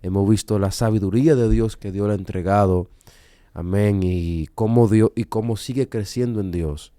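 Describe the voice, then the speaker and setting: A man with a very low, dark voice hosts a Christian radio show, affirming his guest warmly with exclamations of praise. The sound is dry and close-miked. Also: normal speed, no room sound. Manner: affirming with "wow" and "gloria a Dios". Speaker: radio host. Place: studio.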